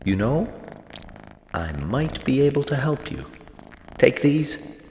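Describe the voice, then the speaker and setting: A man reading aloud and voicing a thin black cat who talks in a soft, wry hiss, in an echoey room with a long reverb. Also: mid-range voice, sing-song, slow pace, voice pushed up.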